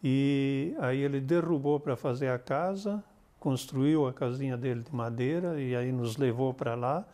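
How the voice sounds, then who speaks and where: An older man with a southern Brazilian accent, recollecting in a measured, explanatory, conversational way as an interview guest. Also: mid-range voice, warm tone. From Santa Catarina, southern Brazil. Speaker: interview guest, retired army colonel.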